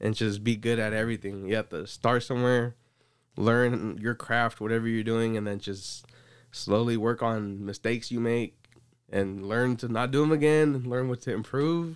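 In a Californian accent, a man speaks at a medium pitch, in a very clean recording with a silent background. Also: fairly even intonation, moderate pace. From Stockton, California. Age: 20s. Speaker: photographer. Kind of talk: casual chat.

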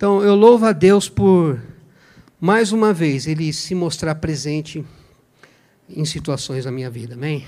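At a fairly slow pace with long, frequent pauses, a man speaks in a fairly high pitch, his intonation lively and his loudness swinging widely. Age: 50s. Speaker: church member, business owner. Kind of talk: testimony.

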